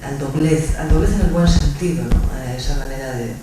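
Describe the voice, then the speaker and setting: A man's voice: fairly high pitch, brisk. Male discussion speaker from a literary event, feeling for words, far from the mic amid noise. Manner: hesitant, searching for words. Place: echoey indoor hall at a public talk. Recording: distant, very echoey, noisy room.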